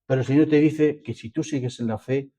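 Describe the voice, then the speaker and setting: A man with an accent from Spain preaches a sermon, reading and expounding scripture to a congregation with emphasis, rhetorical questions and repetition. His mid-range voice is warm, fairly quick, and fairly even in intonation.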